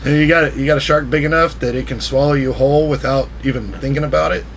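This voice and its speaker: Podcast guy cracking jokes, voice a bit on the high side. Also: fairly even intonation, fast, slight background noise, low-quality recording. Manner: joking, laughs often. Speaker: podcast co-host. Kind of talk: casual chat.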